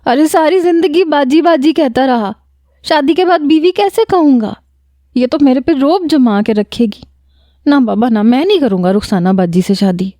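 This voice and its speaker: A woman voicing a tearful young man who wails and pleads in a higher voice. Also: lively intonation, warm tone, no echo, clean studio sound. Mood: whining. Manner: wailing, pleading.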